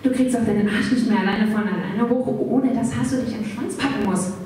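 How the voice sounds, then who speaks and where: Woman acting a cheeky, mellow-voiced little mouse, echoey. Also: a little high, fairly quick, natural voice. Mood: taunting. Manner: teasing, insolent. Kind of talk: live comedy radio play. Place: theatre stage. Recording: echoey stage, distant mic, faint noise.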